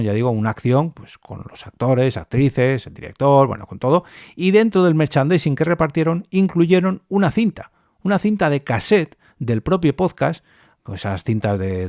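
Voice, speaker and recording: A man's voice: mid-range voice, a little mellow, no echo. Spanish man podcasting in a dry-sounding space. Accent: Spain Spanish. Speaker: podcast host. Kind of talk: solo podcast monologue, conversational review.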